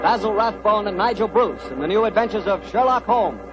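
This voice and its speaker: A man working as a radio announcer and sponsor pitchman, with a smooth, polished, salesman-like delivery, in a 1940s broadcast. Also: animated, a little fast, loud music behind the voice, poor audio.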